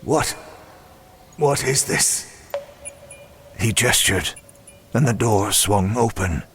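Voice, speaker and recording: A tormented, weary man telling his own horror story. His voice is low and grave, and he moves slowly and deliberately, with halting pauses. There is noticeable ambient noise behind him. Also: a bit bright. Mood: bewildered, then grim, resigned. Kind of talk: dramatic scripted horror narration.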